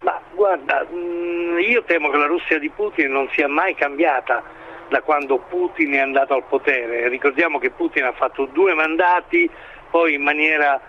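A man giving expert current-affairs analysis in an interview, speaking in a halting, hesitant way as he builds his points. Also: on the high side, lo-fi sound, a little hiss or hum. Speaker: expert commentator being interviewed.

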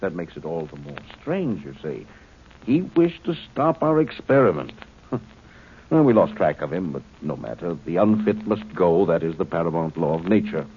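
An actor playing a cold, condescending alien being of pure energy, speaking formally with smug, mocking precision in a 1950s radio drama. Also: male voice, low voice, very animated, moderate pace. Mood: detached, amused. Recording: muffled, noisy 1950s radio recording.

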